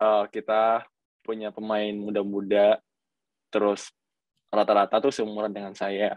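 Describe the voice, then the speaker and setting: The speech is monotone and flat, broken by long, frequent pauses, with a quiet background and a dry sound with no echo. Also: man, fairly low pitch for a man. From West Sumatra, Indonesia; Indonesia. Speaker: professional basketball player; guest. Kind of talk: interview. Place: home room. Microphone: video call.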